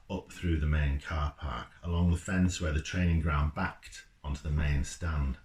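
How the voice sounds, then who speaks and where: A man who writes children's books, talking informally and reading a story aloud. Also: deep voice. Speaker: children's football author. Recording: roomy, echoey indoor sound.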